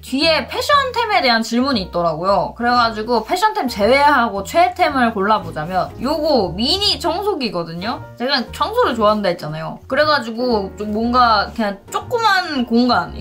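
Giggly woman vlogger in her thirties, fairly high, animated voice, close mic in a bedroom, light music underneath. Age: 30s. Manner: chatty, giggles often between answers. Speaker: YouTuber. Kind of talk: casual Q&A reading viewer questions. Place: bedroom with purple lighting, indoors. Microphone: facing the camera at close range.

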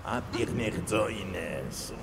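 An actor playing a sadistic, bullying captor in an audio drama, taunting with mock sweetness. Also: male voice, lowish voice, animated, slow pace, vocal fry, heavily acted. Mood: mock-sweet taunting. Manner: taunting, drawling, swooping. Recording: loud music behind voice.

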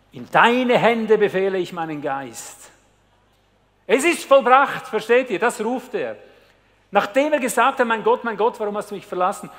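A high-pitched man preaches to a hall audience and speaks straight to them. He moves from quiet, intimate lines to loud, urgent cries. A long reverb hangs behind his voice. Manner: intense preaching, addresses listeners directly, swings from hushed to loud cries. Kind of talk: sermon.

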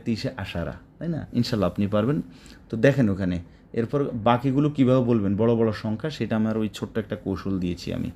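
A man with a Bangladeshi Bengali accent teaching spoken Arabic, slowly repeating phrases and explaining each word. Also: fairly low pitch, creaky, dark tone, slight background noise. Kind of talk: spoken language lesson.

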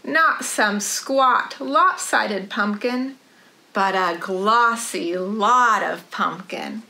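A middle-aged woman leading a storytime for young children in an animated, rhythmic sing-song delivery, recorded in a living room. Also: medium pitch, extremely slow, creaky. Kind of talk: children's storytime read-aloud.

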